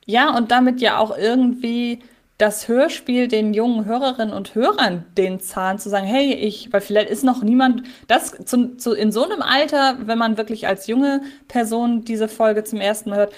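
A woman's voice: fairly high pitch, normal speed. Woman thinking aloud on a podcast. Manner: reflective, rambling, thinks aloud. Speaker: podcast co-host. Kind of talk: casual chat reviewing a radio play.

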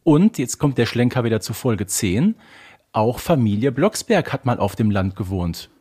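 Slightly husky man, colloquial podcast co-host. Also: mid-range voice, animated, moderate pace, mellow. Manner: colloquial, emphatic, uses punchy idioms. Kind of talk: casual conversational podcast discussion.

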